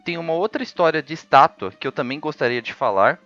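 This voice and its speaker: A man's voice: a little high, lively intonation, fast, fairly bright tone, lo-fi sound, faint music behind. A man hosting a history video, narrating from a script with ironic, jokey asides.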